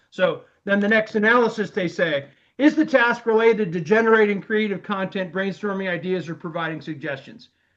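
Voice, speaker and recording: A man's high-pitched voice at a fairly quick pace, hardly any pauses, against a quiet background. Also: ordinary pitch variation. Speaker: guest speaker on AI in customer experience. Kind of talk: interactive webinar presentation. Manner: fast; casual, conversational.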